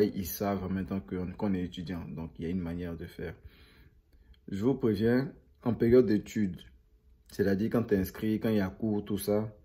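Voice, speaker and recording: A man's voice: lowish voice, warm tone, slightly rough. A young man chatting casually to viewers as a vlogger, rambling and repeating phrases for emphasis. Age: young adult.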